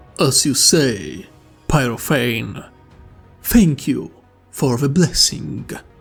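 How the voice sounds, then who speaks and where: Using a put-on character voice at a medium pitch, a man talks at a very slow pace with long, frequent pauses while faint music plays in the background. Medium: read story. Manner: polite, guarded.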